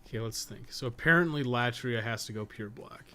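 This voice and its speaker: A man's voice: medium pitch, brisk, pushed and bright. A man streaming a game, thinking aloud and chatting in a casual, rambling way, muttering to himself and swearing now and then.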